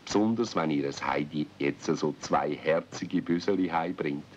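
A man's voice: a bass voice, unhurried. A man with a Swiss accent narrating a children's radio play as a storyteller. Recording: dull, faintly noisy old cassette recording.

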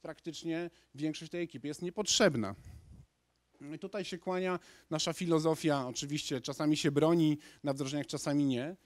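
A man in his thirties gives a lively presentation to a lecture hall audience, gesturing as he talks and often restarting his sentences. His voice sits fairly high for a man. The handheld microphone gives a dry, close sound. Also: normal speed. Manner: energetic, gesturing, with frequent restarts. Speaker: conference speaker.

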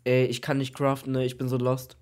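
A man with a cold, hosting a Minecraft let's-play and chatting excitedly with his teammate, repeating himself as he plays. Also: medium pitch, fairly quick. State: has a cold. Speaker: gaming YouTuber.

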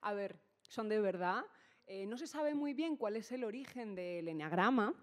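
A woman in her thirties with a Spanish accent from Spain explains the enneagram in a lively interview, checking in with "¿no?" as she goes. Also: medium pitch, moderate pace. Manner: animated, gestures while explaining, many fillers like "¿no?". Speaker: enneagram teacher, guest. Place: event stage with hall. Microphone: studio mic on stand. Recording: reverberant hall.

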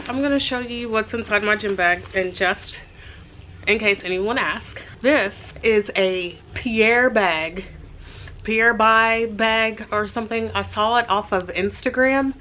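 A middle-aged woman talks straight to her camera in a relaxed vlog, chatty and upbeat with lots of little asides. Her voice is bright and forward, and a faint background hum sits under it. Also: mid-range voice, low-quality recording. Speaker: vlogger. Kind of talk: casual chat to camera. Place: parked car, then a bedroom.

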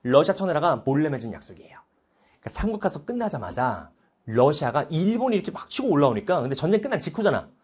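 A man in his thirties teaching history in a lively lecture, animated and playful, breaking into joking voices. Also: a little high, quick pace, husky. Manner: animated, playful, puts on mock foreign voices.

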